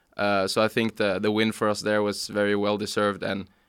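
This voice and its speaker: Speaking at a very fast pace with a Norwegian accent, this voice stays monotone and flat in intonation. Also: man. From Norway. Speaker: college squash player. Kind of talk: interview.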